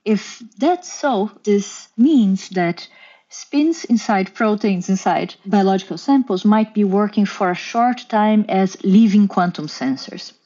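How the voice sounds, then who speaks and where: A woman in her thirties speaks with a Brazilian Portuguese accent, explaining her work in a careful, measured way. Her voice is mellow and warm rather than bright. The audio is somewhat dull and lo-fi, like a remote recording. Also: medium pitch, animated, slightly rough. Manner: careful, explanatory, with occasional restarts. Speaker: guest scientist. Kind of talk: podcast interview, explaining.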